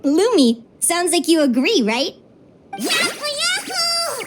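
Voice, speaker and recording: A woman's voice: very high voice, wildly swooping pitch, takes it slowly, noisy background, full character voice. An actress voicing a cheerful, stubbornly optimistic young woman adventurer in a video game, speaking in a bubbly and earnest way. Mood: upbeat. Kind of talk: animated video game voice acting.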